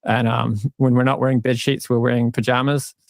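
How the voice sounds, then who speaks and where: A man with a New Zealand accent, a guest calmly explaining his faith with dry self-mocking humor over a live-stream call. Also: medium pitch, a little fast, creaky, no room sound. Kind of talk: casual interview talk.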